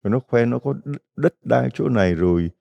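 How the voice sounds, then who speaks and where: A man's voice: mid-range voice, expressive, a little fast, gravelly, warm tone. A middle-aged man, a Catholic priest, giving a folksy retreat homily full of stories and rhetorical questions to the congregation.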